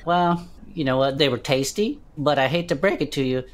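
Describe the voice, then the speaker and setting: A woman's voice: deep voice, brisk, close to an everyday voice. A woman voicing an easygoing male adventurer with slangy, laid-back talk, in an audio drama.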